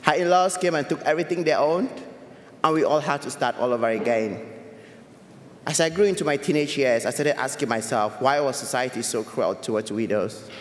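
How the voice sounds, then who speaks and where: A young man from Cameroon giving an earnest, measured personal talk as a youth advocate, with small restarts. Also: mid-range voice. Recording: echoey hall with long reverb.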